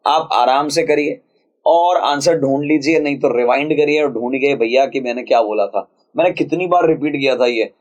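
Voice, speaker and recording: A man teaching English grammar for exam prep, reading sentences slowly and explaining them in a casual, chatty way. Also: mid-range voice, lo-fi sound. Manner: casual, chatty, calls viewers friends and brother.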